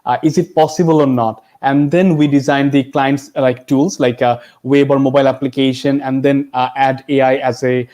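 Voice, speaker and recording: A man speaking as a guest tech expert, explaining informally and haltingly with many filler words. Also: mid-range voice, level tone, a little mellow. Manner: halting, peppers sentences with "like". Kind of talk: informal question-and-answer explanation.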